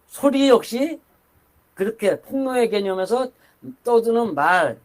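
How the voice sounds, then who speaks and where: A man's voice: extremely high pitch, lively intonation, measured pace. An older man preaching a sermon in a conversational, rambling way, with asides and restarts. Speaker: pastor.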